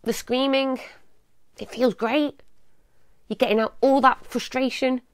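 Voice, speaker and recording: A woman in her thirties hosting a casual live advice talk for autistic kids at home, loud and quick to get sidetracked. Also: sits high, clear, resonant tone. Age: 30s. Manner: animated, loud, jumps between topics. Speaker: advice show host. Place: at home, walking through a child's room.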